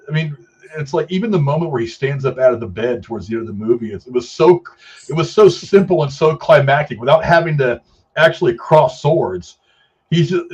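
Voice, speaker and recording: A man with a husky, slightly rough voice hosts a casual film review chat. He talks in an emphatic, gushing way, repeating words for weight. The sound is a little dull and lo-fi. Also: medium pitch, darkish tone. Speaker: film review show host.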